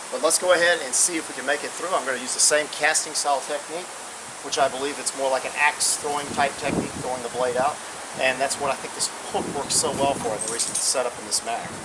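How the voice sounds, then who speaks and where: A man's fairly high-pitched voice at a very fast pace, over noticeable background noise. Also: ordinary pitch variation. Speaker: weapons tester. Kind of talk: tutorial. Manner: loud.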